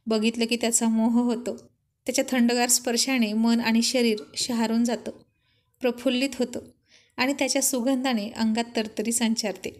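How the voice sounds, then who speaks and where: Give me a woman playing a bashful, quick-witted young wife who teases back, in a fairly high voice. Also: level tone, close to an everyday voice. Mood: tender. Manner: playful, quick-witted, sometimes huffy. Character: shy, witty young wife, easily flustered.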